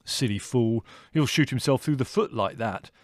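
A man's voice: mid-range voice, moderate pace, dry recording, studio quality, close to an everyday voice. A man voicing a blunt, hot-tempered young man who speaks brusquely and scornfully.

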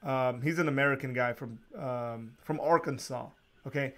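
A man hosting a casual interview, talking in a relaxed, rambling way with frequent restarts and small laughs. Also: mid-range voice, normal speed. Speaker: podcast host.

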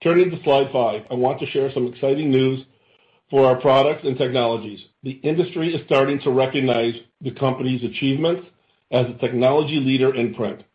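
A man's voice: medium pitch, a little fast. Echoey, dull-sounding man reading a corporate script. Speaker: company chief executive. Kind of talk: scripted earnings call presentation. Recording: dull, echoey conference call audio.

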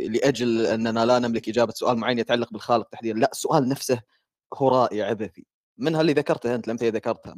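A man's voice: medium pitch, no room sound, studio quality. A man in a casual online debate, explaining his point step by step.

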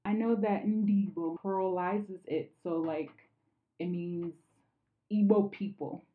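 Low-voiced woman learning, tinny line. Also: steady tone, measured pace. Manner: asks questions and repeats phrases carefully. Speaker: language learner. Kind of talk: casual language lesson.

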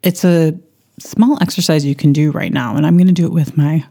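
A woman with a lowish voice talks through a self-help podcast episode. Her tone is mellow and warm, reflective and coaching. She often restarts and repeats phrases as she thinks aloud. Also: fairly quick, gravelly. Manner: reflective, coaching tone with personal anecdotes. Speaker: podcast host.

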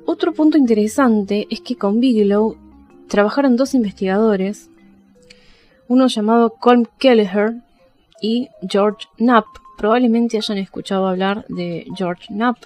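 Argentine woman podcast host, chatty storytelling, normal pitch, music in the background. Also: measured pace, darkish tone. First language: Spanish. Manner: conversational, addresses listeners with checking tags. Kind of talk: casual storytelling about paranormal history.

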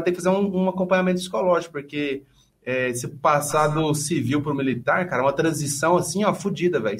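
A man rattles off his stories at a fast clip in a slightly high voice. He talks in relaxed, slangy podcast chat about his police training. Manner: rapid, slangy storytelling. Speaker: police officer guest.

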